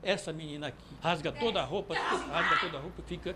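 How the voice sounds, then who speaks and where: Noticeable background noise and audible room echo surround a man who talks at a fairly quick pace with a high pitch and lively intonation. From Northeast Brazil. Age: 70s. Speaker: retired father of mentally ill daughters. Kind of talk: documentary interview testimony. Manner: halting, with repetitions.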